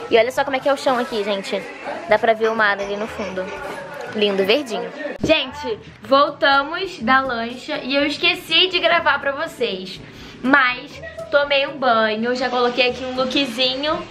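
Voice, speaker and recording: A young woman who is slightly hoarse from losing her voice, chatting upbeat to viewers on a handheld camera while travelling. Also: high-pitched. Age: young adult. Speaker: vlogger. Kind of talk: casual travel vlog to camera. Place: outdoors at a beach and on a boat, later indoors in a flat. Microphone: handheld camera at arm's length. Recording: noisy handheld camera audio.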